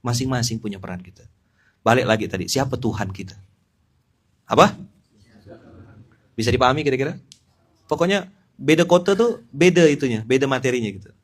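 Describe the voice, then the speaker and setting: Middle-aged male preacher, animated and humorous, addresses listeners directly. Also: mid-range voice, fairly quick, long pauses. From Pontianak, West Kalimantan. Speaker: Islamic preacher. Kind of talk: informal sermon.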